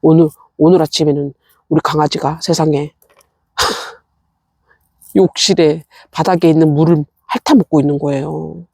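A woman's voice: low voice, steady tone, a little slow, vocal fry, long pauses, a little mellow, breathy edge, no room sound, studio quality. A middle-aged woman in a casual vlog, chatting to her succulents and scolding herself as she tends them at her rural home. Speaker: succulent-growing vlogger. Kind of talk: casual chat while tending plants.

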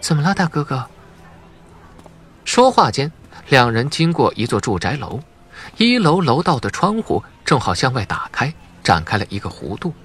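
A man's voice: mid-range voice, very animated, moderate pace, a bit bright, husky. A man narrating a suspense novel as a dramatic scripted audiobook. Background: faint music.

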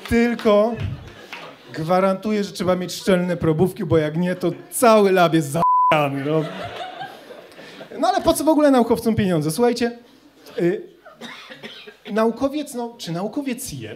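Speaking a little slowly, this young adult has a high voice and a very animated delivery. He performs ironic stand-up in a chatty style, holding a handheld microphone on a student club stage in front of a crowd.

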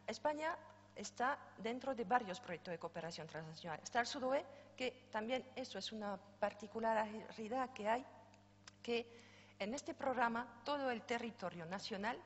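French-accented woman presenting in a hall. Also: on the high side. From France. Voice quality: hesitant fillers and self-corrections. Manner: explanatory, informal asides with light laughter and fillers. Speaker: head of a programme office, conference speaker. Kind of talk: conference presentation. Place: conference stage. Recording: dull sound with long hall reverb, faint hum.

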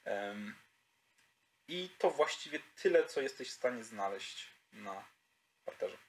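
A man's voice: medium pitch, lively intonation, slow pace. A man narrating a tabletop game as game master, hesitant, with frequent fillers.

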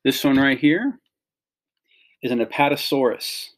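A man's voice: mid-range voice, lively intonation, a little slow. A middle-aged man giving an instructional read-along for children, explaining and pointing things out in simple phrases. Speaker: teacher reading a picture book aloud to children.

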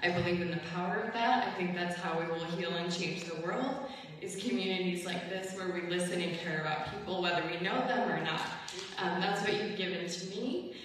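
A woman's voice: fairly low pitch, a little fast, a little hiss or hum. A woman in her thirties giving an emotional, earnest personal testimony to her congregation, speaking into a stand mic in a chapel. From Wisconsin. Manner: earnest, emotional, with soft laughs. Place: large chapel with hard walls. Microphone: stand mic, heard from a distant camera. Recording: echoey chapel, voice far from mic.

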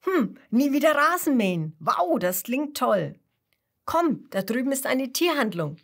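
A woman's voice: mid-range voice, expressive, takes it slowly. A woman voicing Seppel, a helpful, thoughtful young male puppet friend who muses agreeably, in a story for small children. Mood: agreeable.

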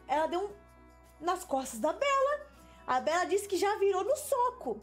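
A young woman with a Brazilian Portuguese accent, telling a story in casual chat as a gaming video host, animated and quick to act out what people said. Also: very high-pitched, faint music behind. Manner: animated, laughing storyteller who acts out quotes. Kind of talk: casual storytelling while playing a game.

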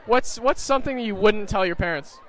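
A man's voice: sits high, brisk, background noise. A young man doing casual street interviews as the one asking the questions. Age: young adult. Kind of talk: casual vox-pop interviewing. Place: outdoors at a crowded street party. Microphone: handheld microphone.

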